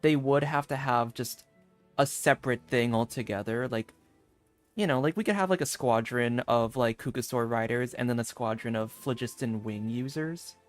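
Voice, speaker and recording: A male game streamer comments casually as he plays, thinking aloud in an informal way. His voice is mid-pitched, with faint game music behind it. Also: normal speed.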